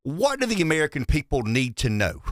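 A man with a thick Southern drawl from the deep South conducts a radio interview. His pitch moves widely and animatedly as he circles into each question in a folksy way. The sound is dry and close. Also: huge pitch swings, fairly quick, fairly bright tone, no echo.

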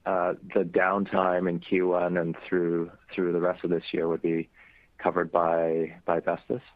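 Deep-voiced male caller on a crackly phone line. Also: completely flat delivery, measured pace, dry recording. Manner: hesitant, restarts often. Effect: crackly, static-filled phone line. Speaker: analyst caller. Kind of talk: earnings call questions. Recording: tinny phone line with static.

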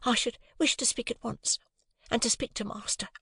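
A man reading an audiobook, voicing a timid, respectful young housemaid in a hushed, breathy, deferential way. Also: mid-range voice, steady tone, normal speed, dry recording, clean studio sound, voice pushed up, heavily acted.

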